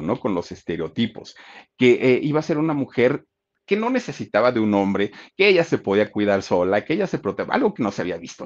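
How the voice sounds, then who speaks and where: A man with a Mexican accent narrating a story in a casual, animated way, often asking rhetorical questions. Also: medium pitch, lo-fi sound. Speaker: storyteller host.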